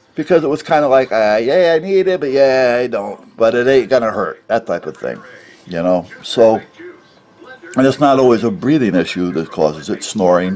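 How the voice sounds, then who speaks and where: With noticeable background noise behind him, a man speaks at medium pitch in very wide pitch swings. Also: moderate pace. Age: 60s. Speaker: vlogger. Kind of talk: casual monologue. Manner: rambling, halting with fillers.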